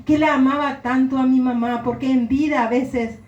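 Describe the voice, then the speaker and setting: A woman's voice: sits high, steady tone, normal speed, a little mellow, dull audio. A middle-aged woman pastor with an Argentine Spanish accent, giving an earnest, emotional sermon testimony. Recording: roomy echo.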